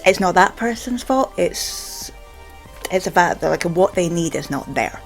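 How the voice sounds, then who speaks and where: A Scottish woman with a stammer gives an informal explainer, halting often and leaning on repeated filler words. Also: lowish voice, expressive, soft background music. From Scotland. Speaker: vlogger and stammering advocate.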